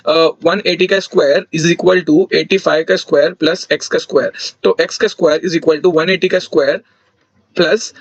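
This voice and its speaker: A man's voice: high-pitched, fairly bright tone, no room sound, dull audio. A young man casually walking through exam solutions, thinking aloud and correcting himself mid-sentence. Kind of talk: casual explanatory walkthrough.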